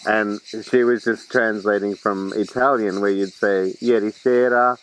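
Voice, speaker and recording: Low-voiced man chatting in a garden. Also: fairly even intonation, unhurried, low-quality recording. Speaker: guest. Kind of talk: casual chat. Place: outdoors in a garden, seated in a hammock.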